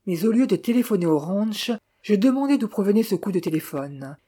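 A reader voicing an agitated older male jeweler, a worried father who scolds his son, with a mellow, husky tone. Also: mid-range voice, animated, brisk. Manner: anxious, scolding.

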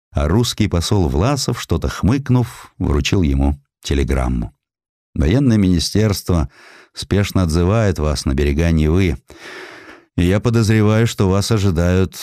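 A man reading a historical story aloud as an audiobook narrator, with expressive, dramatic storytelling. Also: low voice, no room sound, clean studio sound.

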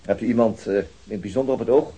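A man's voice: on the low side, fast, mellow, slightly rough, poor audio. A man playing a dry, sardonic detective. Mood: probing. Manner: dry, sarcastic, questioning. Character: weary, sardonic male police detective. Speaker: police detective. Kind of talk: Dutch radio play acting.

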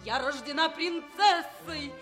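An actress playing a proud, jealous, despairing enslaved princess, declaiming slowly and grandly in a theatrical 1960s radio production. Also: female voice, sits high, fairly bright tone, soft background music. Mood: tragic resolve. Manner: slow, impassioned, grandly tragic. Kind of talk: theatrical declamation in a classic stage play.

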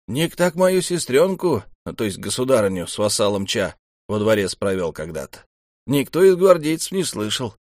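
A man voicing a brash young male noble who tells things in an animated, boastful way. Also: medium pitch, moderate pace, no echo, studio quality, close to an everyday voice. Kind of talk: audiobook character voice.

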